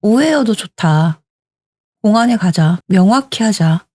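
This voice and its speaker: Furious young woman, scolding and indignant, as a narrator puts her on, mellow voice. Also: mid-range voice, lively intonation, unhurried, no echo, clean studio sound. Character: young female student, frightened and furious.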